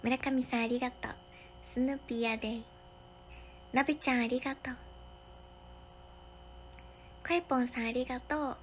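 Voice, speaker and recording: Young woman streaming from a hotel room, reads out viewer comments, kinda high voice, goes whispery now and then. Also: fairly even intonation, fairly quick, long pauses, a little hiss or hum. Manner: chatty, thanks viewers one by one, drops into soft whispers. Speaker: livestream host. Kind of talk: casual livestream chat, reading viewer comments.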